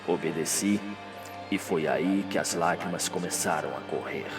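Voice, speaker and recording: A man voicing a dying old confessor, solemn and sorrowful, with a slow, grave delivery in an audio drama. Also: low voice, recorded from a distance, over music, pitched below the performer's own voice, natural voice.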